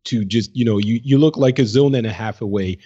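A man chatting casually as co-host of a gaming podcast, thinking aloud in a hesitant, measured way and repeating words mid-thought. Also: on the low side, dark tone, breathy edge. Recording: slightly dull, lo-fi voice feed.

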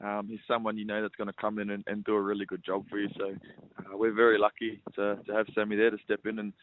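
Australian footballer on a phone line. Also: male voice, lowish voice, fast talker. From Sydney, Australia. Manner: relaxed, repeats words, says mate often. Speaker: rugby league player. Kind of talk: phone interview.

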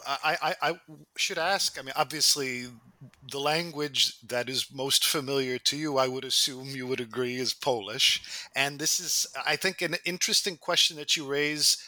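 Male academic interviewer, very sharp bright tone, mid pitch, dry sound, thoughtful phrasing. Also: no room sound. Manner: measured, thoughtful, articulate.

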